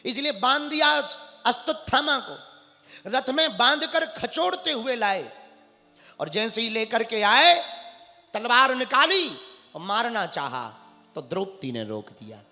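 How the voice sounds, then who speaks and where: High-voiced male preacher in echoing hall. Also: big pitch swings, unhurried, pushed and bright. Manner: dramatic storytelling with sung verses. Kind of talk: devotional sermon storytelling. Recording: echoey hall with faint music.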